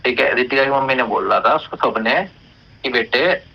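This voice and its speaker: A man's voice: medium pitch, moderate pace, vocal fry, pushed and bright, breathy edge. A man with a North Indian accent chatting casually and recounting gossip on a recorded phone call.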